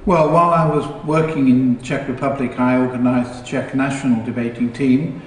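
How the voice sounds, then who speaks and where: An older man answers interview questions at an unhurried pace, pausing now and then. He sounds a little distant from the mic, and his voice rings out across a large, echoey hall. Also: mid-range voice, steady tone, slight background noise. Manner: unhurried, hesitant with fillers. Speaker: retired teacher and tournament founder.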